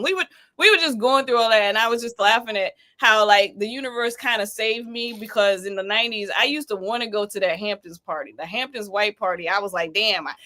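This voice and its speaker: A woman in her late forties hosting a casual live chat, telling stories in an emphatic, colloquial way. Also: mid-range voice. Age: 40s. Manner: animated, emphatic storytelling with colloquial asides. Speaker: podcast host.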